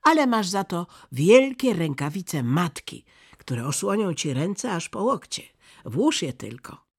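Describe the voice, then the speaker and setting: A storyteller voicing a fierce, bossy young robber girl who talks loud and threatening, in a husky, creaky voice. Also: medium pitch, sing-song, unhurried, voice pushed up, full character voice.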